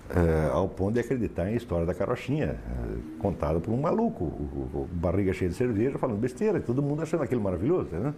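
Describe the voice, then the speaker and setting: A man lecturing on philosophy in a low, mellow voice that rises and falls sharply. He talks in an emphatic, sardonic way and keeps checking his listeners follow. Faint hiss sits under the recording. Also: big pitch swings, fast talker, few pauses. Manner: emphatic, sardonic, asks "tá certo?" for assent. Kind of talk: lecture to a class.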